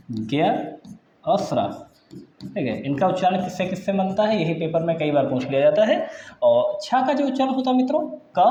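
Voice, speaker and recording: A man's voice: high voice, warm tone, echoey room, dull audio. A man teaching an exam-prep grammar lesson, explaining patiently and often repeating key points to his students.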